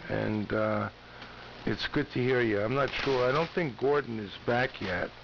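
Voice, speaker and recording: A man's voice: mid-range voice, unhurried. An American man chatting casually as an amateur radio operator over the air. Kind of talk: casual ham radio chat. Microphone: ham radio transmission. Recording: muffled AM radio with clear static.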